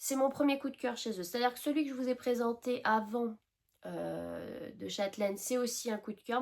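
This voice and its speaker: This woman's pitch sits fairly high. She talks at a moderate pace. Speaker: cross-stitch YouTuber. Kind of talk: casual vlog talk to camera. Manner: hesitant with many fillers.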